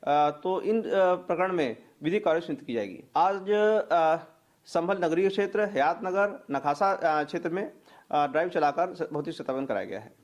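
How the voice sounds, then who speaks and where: A male official delivers a press statement in a fairly high voice. He is halting, pausing often between stiff, legalistic phrases. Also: expressive. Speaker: police or administrative official.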